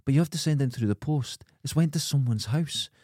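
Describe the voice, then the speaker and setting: A man's voice: a little high, brisk, dark tone, dry recording, clean studio sound. A Scottish man co-hosting a podcast, chatting in casual comic banter. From Dundee, Scotland. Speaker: podcast co-host.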